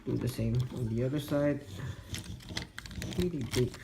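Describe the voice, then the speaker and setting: A man slowly talking through a toy transformation step by step, muttering to himself as he works. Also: medium pitch, vocal fry. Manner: slow, step-by-step instructional talk, muttering to himself. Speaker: toy reviewer. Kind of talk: hands-on toy transformation demo. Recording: echoey room with background noise.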